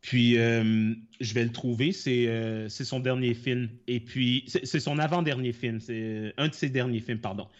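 A man co-hosting a casual podcast chat, on a dull, lo-fi recording. He rambles through his explanations, stopping to correct himself. His voice sits at a middle pitch. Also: fairly even intonation, moderate pace, few pauses. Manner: rambling explanations with many fillers and self-corrections. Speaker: podcast co-host. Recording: dull lo-fi sound.

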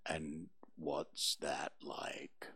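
Man doing a deep, drawling storybook donkey, gloomy and breathy. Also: little pitch movement, sharp tone, no room sound, whispered, clean studio sound, heavily acted. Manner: slow, sighing, mournful drawl. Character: gloomy old male donkey, self-pitying. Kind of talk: storybook reading.

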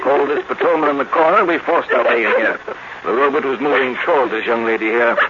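An actor playing an authoritative scientist in a 1950s radio drama, formal, emphatic and explanatory. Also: male voice, medium pitch, fast talker, lightly acted. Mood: urgent, composed. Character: authoritative robot scientist explaining his machine calmly. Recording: muffled, noisy old radio recording.

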